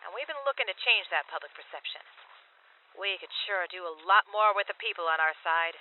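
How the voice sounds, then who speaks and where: A woman's voice: medium pitch, animated, fairly quick, phone-quality sound, lightly acted. A woman playing a tough, brash female militia lieutenant with brusque, folksy talk in an audio drama. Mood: gruff, evasive. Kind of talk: full-cast audio drama acting.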